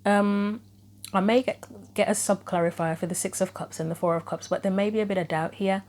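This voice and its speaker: In a casual spoken tarot reading on her own channel, a woman thinks aloud about the possibilities. She speaks fairly quickly in a mid-range, a little mellow voice with fairly even intonation. Her throat is slightly troubled, and her voice is starting to go.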